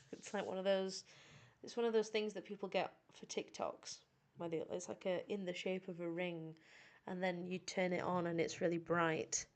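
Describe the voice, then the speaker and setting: Chatting on a live stream for her English students, this woman from Sheffield sounds tired, slightly hoarse and nasal, with a northern English accent. She rambles at normal speed in a lowish, steady voice, using lots of fillers and poking fun at herself.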